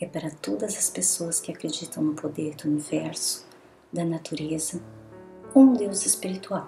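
Soft-spoken and calm in tone, the voice moves at a moderate pace with very wide pitch swings. Music plays in the background. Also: woman, very deep, low pitch for a woman. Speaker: ASMR creator. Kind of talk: prayer reading, spiritual meditation. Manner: soft-spoken, calm.

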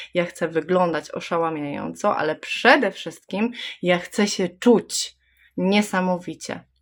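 Very slowly, a woman talks with ordinary pitch variation on a very clean recording with a silent background. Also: medium pitch for a woman. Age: 30s. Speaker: network marketing distributor, mother of three. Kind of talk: testimonial.

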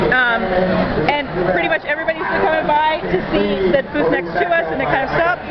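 Loud background noise sits under talk delivered at a fairly quick pace. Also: woman. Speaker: audio drama group member. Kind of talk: casual talk to camera. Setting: convention floor. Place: hall. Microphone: phone near.

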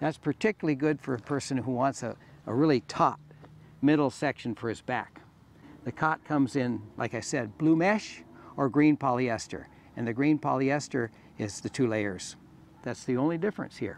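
This man talks at a moderate pace with ordinary pitch variation, and the sound is dry with no echo. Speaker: company founder demonstrating product. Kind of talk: product demonstration talk. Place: open country.

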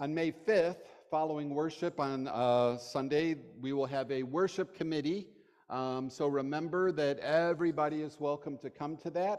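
At a moderate pace and with fairly even intonation, a man speaks against a quiet background. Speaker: pastor. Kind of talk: church announcements. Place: church. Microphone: podium.

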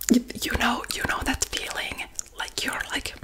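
A woman is whispering. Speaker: ASMR creator. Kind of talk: ASMR rambling story to camera. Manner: soft, casual, chatty, rambling. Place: home room. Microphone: earbuds.

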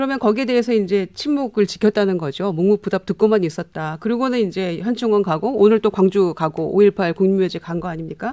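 Against a quiet background, a woman talks at a fairly quick pace with hardly any pauses, her medium-pitched voice dark and mellow with ordinary pitch variation. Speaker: former lawmaker, political commentator. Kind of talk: political panel discussion. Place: studio. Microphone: studio mic.

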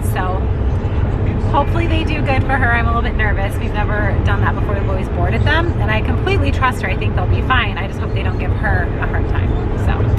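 The speech comes at a very fast pace over loud background noise. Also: woman. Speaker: family vlogger. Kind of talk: casual vlog chat. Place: car.

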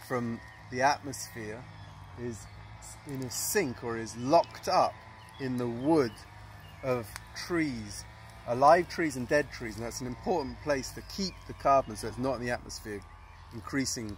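A man speaks at a moderate pace with long, frequent pauses and big swings in loudness. Music plays in the background, and the sound is dry with no echo. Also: ordinary pitch variation. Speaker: nature educator. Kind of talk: educational nature talk. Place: open country.

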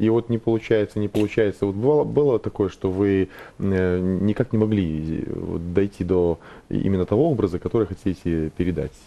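Speaking at a moderate pace, a man has a plain, everyday voice with a fairly low pitch and ordinary pitch variation. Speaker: TV show co-host. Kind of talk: TV talk show. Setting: studio. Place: studio. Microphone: lapel.

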